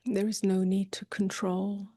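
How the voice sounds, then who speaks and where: A woman meditation teacher leading a guided meditation softly and gently, often drifting toward a whisper, with long pauses. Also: mid-range voice, little pitch movement, dry recording, clean studio sound. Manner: soft, breathy delivery drifting toward a whisper.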